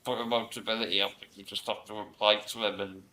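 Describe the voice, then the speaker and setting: Flat-voiced, bright-toned young man. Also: lowish voice, quick pace, a little hiss or hum. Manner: joking, self-mocking, relaxed. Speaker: panel speaker. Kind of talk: casual Q&A answers. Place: meeting room with an audience.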